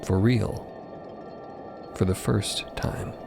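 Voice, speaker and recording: A man narrating scripted audio fiction dramatically, with hushed, halting, deliberate phrasing. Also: fairly low pitch, fairly even intonation, gravelly. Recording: prominent music bed under the voice. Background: music.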